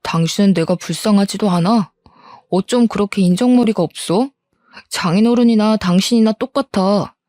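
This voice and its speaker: A resentful middle-aged husband full of self-pity, as a woman voices him for an audio drama story. The voice sits mid-pitch and dark in tone, dry with no room sound. He wheedles one moment and snaps back defiantly the next. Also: normal speed, dry recording, lightly acted. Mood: wheedling. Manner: pleading then defiant, self-pitying.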